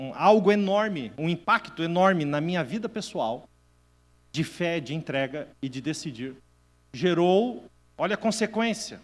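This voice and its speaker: A middle-aged Brazilian man preaching a sermon as pastor, telling a personal story in an animated way that swings between loud bursts and hushed asides. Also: high voice. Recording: long reverb of a church hall.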